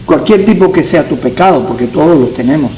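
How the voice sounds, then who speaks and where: Man, born in Cuba, pastor, Bible class, mellow tone, repeats key phrases. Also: on the high side, lively intonation, brisk, a little hiss or hum, rough recording. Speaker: pastor teaching Sunday school.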